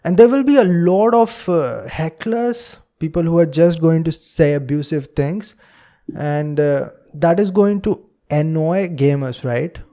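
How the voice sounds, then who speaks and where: A man's voice: a little high, unhurried, warm tone. A young man with an Indian English accent, a native Hindi speaker, talking alone on his podcast in an earnest, lecturing way. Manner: earnest, lecturing, acts out quotes in a raised voice. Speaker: podcast host. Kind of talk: solo podcast monologue.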